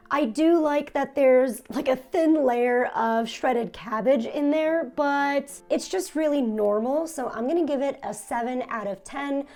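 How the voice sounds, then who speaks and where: A young woman hosting a casual food-tasting vlog, hoarse and nearly losing her voice, talking in a subdued, raspy monotone with small laughs. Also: high-pitched. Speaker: food vlogger. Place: her home in Japan.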